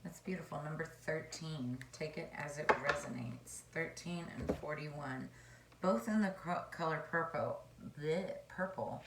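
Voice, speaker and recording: A woman with a hoarse voice giving a casual tarot card reading, chatty and meandering as she muses aloud. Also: sits low, a bit bright, a little hiss or hum. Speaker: tarot reader. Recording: echoey room.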